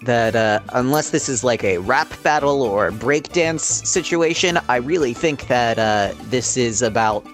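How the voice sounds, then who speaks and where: A man's voice: mid-range voice, a little slow, few pauses, a bit bright, faint music behind. A man playing a tabletop game, improvising casual banter in a hesitant, rambling, joking way.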